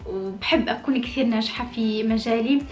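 A woman's voice: a little high, fairly quick, a little mellow, roomy sound, soft background music. A woman in her late twenties chatting casually and expressively as she answers viewer questions in a small room. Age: late 20s. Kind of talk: casual chat. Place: small indoor room with red curtains.

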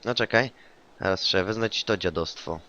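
A man's voice: fairly low pitch, a little fast. Guy streaming a shooter, chatty and swears a lot, hollers when he gets a kill, kinda dull muffled audio. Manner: excitable, swears, yells taunts in English on kills. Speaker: game streamer. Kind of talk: casual gaming chat with a teammate.

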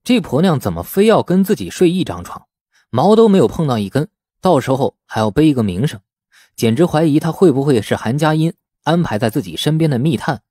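A man reading a novel as an audiobook narrator, in an expressive storytelling manner. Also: mid-range voice, no room sound, studio quality. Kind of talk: scripted dramatic novel narration.

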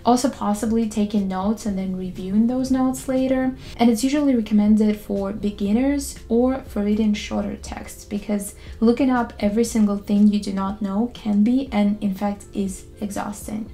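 A young woman who is not a native English speaker, calmly and candidly explaining to the camera in a scripted talk recorded in her bedroom. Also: mid-range voice, normal speed, hardly any pauses, faint music behind. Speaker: language learning YouTuber. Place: bedroom with photo-covered wall.

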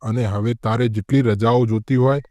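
A man voicing a sly, boastful husband crow in an animated moral story. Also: medium pitch, moderate pace, dry recording, close to an everyday voice. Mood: exasperated.

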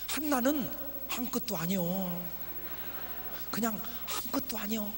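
Bright, lively-pitched male revival preacher. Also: a little hiss or hum. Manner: humorous, teasing the congregation with questions. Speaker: pastor. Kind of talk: revival meeting sermon. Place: church hall at a revival meeting. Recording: reverberant hall from a TV broadcast.

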